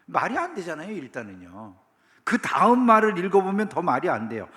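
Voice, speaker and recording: A man's voice: high-pitched, huge pitch swings, brisk, fairly bright tone, big-room sound. A man preaching a sermon as pastor, talking conversationally and often asking the congregation questions. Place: church sanctuary.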